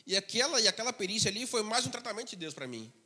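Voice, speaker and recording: High bright-voiced pastor, hall echo. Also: male voice, very animated, racing. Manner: conversational storytelling, drops to a low murmur for asides. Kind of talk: sermon. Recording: long hall reverb.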